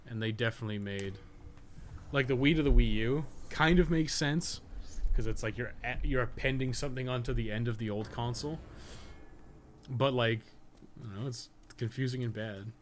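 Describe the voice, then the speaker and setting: A man's voice: mid-range voice, normal speed, slight background noise. A man rambling casually on a gaming live stream, swearing often as he talks. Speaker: gaming streamer and podcast co-host. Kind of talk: casual live-stream chat while playing.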